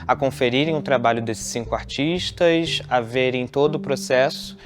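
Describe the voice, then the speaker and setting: A man's voice: mid-range voice, moderate pace. A man with a Brazilian accent speaking as a curator in an explanatory, promotional style. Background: music.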